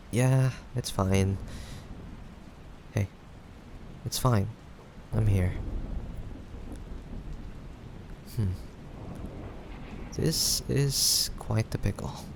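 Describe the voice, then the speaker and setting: A man acting a caring, teasing young guy friend in an intimate audio roleplay. His voice has a gravelly fry and he takes his time, with hesitant pauses. Light noise and rain sit behind him. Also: on the low side, heavily acted. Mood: gently reassuring. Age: young adult. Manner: halting, hesitant, with sighs and soft chuckles. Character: teasing, affectionate young male friend, awkward but caring. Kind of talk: improvised intimate audio roleplay addressed to the listener. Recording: steady background noise, rain ambience. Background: rain sound effects.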